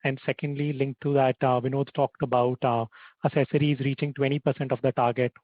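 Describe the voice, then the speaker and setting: A man's voice: medium pitch, flat delivery, fairly quick, no echo. A man speaking as a financial analyst, putting questions to company management on an earnings call. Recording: dry phone-like call line.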